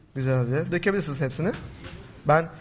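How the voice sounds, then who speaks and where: A man speaks with lively intonation. There is light background noise. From Hatay, southern Turkey. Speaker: künefe cook; guest. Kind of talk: cooking demonstration. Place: studio. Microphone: lapel.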